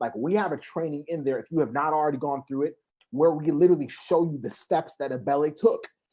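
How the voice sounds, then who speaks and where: The man speaks at a very fast pace in a fairly high pitch. His tone is animated. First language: not English. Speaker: physical therapy admissions coach and host. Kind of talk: live stream interview. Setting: live online stream. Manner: animated, many repetitions and fillers.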